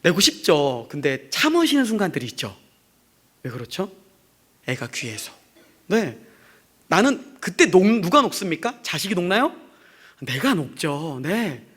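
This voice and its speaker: A man's voice: high voice, big pitch swings, unhurried, pauses often, a bit bright, husky. A man preaching a sermon as a pastor to his congregation in church, in a conversational way with rhetorical questions. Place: church sanctuary.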